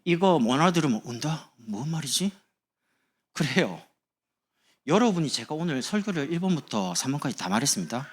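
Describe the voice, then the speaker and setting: A man's voice: fairly high pitch, sing-song, a little fast. A man preaching as a pastor, speaking in a chatty, humorous sermon to his congregation in a church. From Busan, South Korea. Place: church sanctuary.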